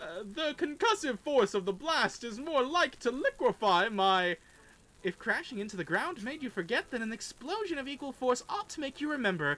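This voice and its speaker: In a put-on character voice, a man speaks at an extremely high pitch with a theatrical tone and very wide pitch swings. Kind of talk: comic overacting. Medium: game stream. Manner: theatrical, archaic phrasing.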